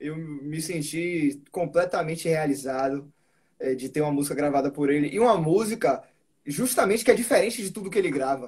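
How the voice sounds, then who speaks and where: A man's fairly high-pitched, a normal speaking voice, with lively intonation at a moderate pace. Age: 20s. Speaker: singer. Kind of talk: casual chat.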